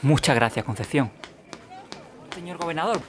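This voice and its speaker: A man's voice: a little high, animated, a bit bright. A man playing an inquisitive, polite 1910s newspaper reporter in an audio drama. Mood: eager, inquisitive. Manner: brisk, inquisitive. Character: eager, polite 1918 newspaper reporter questioning people.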